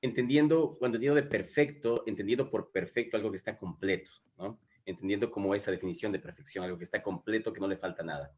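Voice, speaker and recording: A man's voice: on the low side, fast, few pauses, highs cut off. Earnest man telling a faith story. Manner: earnest, animated storyteller with many restarts. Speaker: host of a live faith talk. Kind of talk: casual spiritual conversation. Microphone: video call microphone.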